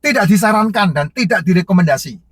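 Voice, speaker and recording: Higher-pitched man giving emphatic advice. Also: lively intonation, quick pace, a bit bright, slightly rough, no echo. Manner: emphatic, repetitive, lists points one after another. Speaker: herbal drink seller answering viewer questions. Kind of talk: casual advice talk to viewers.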